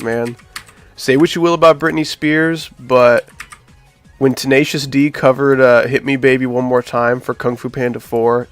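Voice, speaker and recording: A man with a nasal voice from being sick, chatting casually to his live-stream viewers while he builds a game level. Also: mid-range voice. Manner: chatty, talks to chat while working.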